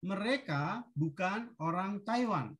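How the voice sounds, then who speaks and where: Woman language teacher, very slow pace. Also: mid-range voice, expressive, crowd noise. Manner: deliberate, instructional. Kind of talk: language drill, reading short sentences for repetition.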